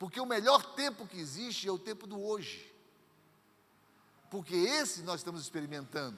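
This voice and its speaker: Using a raised, projected voice, a man with a high pitch talks at a moderate pace, his pitch swinging very widely, his loudness varying greatly, and long, frequent pauses breaking up his speech. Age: 60s. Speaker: pastor. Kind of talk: sermon.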